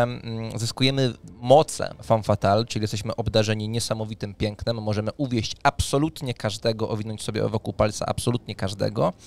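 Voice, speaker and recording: A man in his thirties hosting a talk on tabletop games, speaking haltingly into a close microphone. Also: lowish voice, gravelly, no room sound. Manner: halting, hesitant delivery with drawn pauses. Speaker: podcast host. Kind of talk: conversational presentation of tabletop RPG ideas. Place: small dim room indoors, on video call. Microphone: close studio microphone on arm, headphones.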